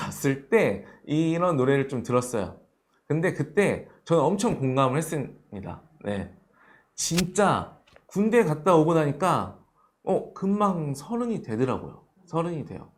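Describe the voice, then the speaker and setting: Male host, thirties, explaining money to young adults; earnest, repetitive, lively delivery. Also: medium pitch. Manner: earnest, repeats points with "ne" fillers. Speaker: host of an economics show.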